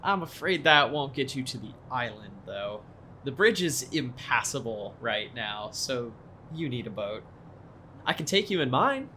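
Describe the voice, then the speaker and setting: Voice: mid-range voice, very animated, a little slow, pushed and bright, a little hiss or hum. A young adult actor playing a friendly, worried small-town boat owner in an audio drama, speaking in a conversational, earnest way. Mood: matter-of-fact. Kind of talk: naturalistic audio drama acting.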